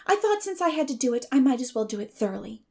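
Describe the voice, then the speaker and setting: A woman's voice: on the high side, big pitch swings, quick pace, vocal fry, darkish tone, exaggerated voice. A woman voicing a dreamy, earnest, talkative young orphan girl in a gushing, dramatic audiobook reading. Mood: proud.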